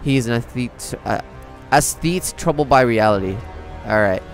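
Animated young man, casual reaction commentary. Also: mid-range voice, moderate pace, faint music behind. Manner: informal, slangy, easily amused. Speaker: gaming reaction video host.

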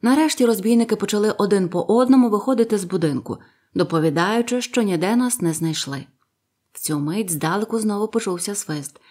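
A woman reading a storybook aloud with lively, expressive narration. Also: mid-range voice, fairly quick. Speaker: audiobook reader.

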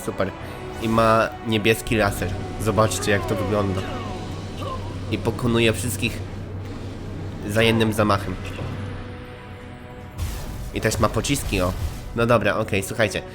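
A man hosting a let's play, chatty and easygoing, his voice stuffy and slightly hoarse from a cold. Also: on the low side, level tone, a little slow, long pauses. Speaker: gaming channel host. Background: game music.

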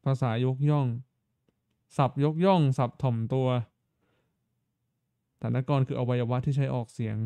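With a gravelly, mid-range voice that stays steady and dark, this man speaks unhurriedly with long pauses over audio that has no echo. He's hosting a laid-back live stream as he plays, musing aloud, stumbling, repeating himself and addressing viewers directly with questions.

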